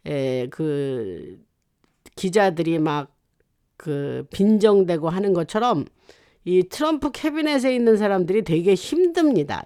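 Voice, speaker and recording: Brief: host from Korea, loose news-commentary monologue, resonant tone, lots of filler pauses. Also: mid-range voice, a little mellow, clear, resonant tone. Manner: rambling, with frequent hesitation fillers.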